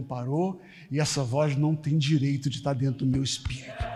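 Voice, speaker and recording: Against noticeable background noise and audible room echo, a man with a fairly high pitch talks at a moderate pace. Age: 60s. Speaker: pastor. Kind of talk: sermon. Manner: animated.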